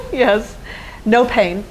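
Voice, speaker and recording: A woman's voice: fairly high pitch, slight background noise, rough recording. Earnest woman in her fifties telling her story. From Texas. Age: 50s. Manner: earnest storytelling, acts out quoted dialogue. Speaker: guest. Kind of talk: personal testimony in a studio interview.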